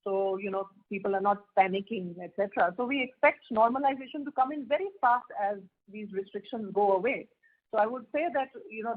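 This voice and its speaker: A woman with an Indian accent answering questions as a company executive on an earnings call, in a halting, conversational way. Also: mid-range voice. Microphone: telephone. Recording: muffled narrow phone conference line.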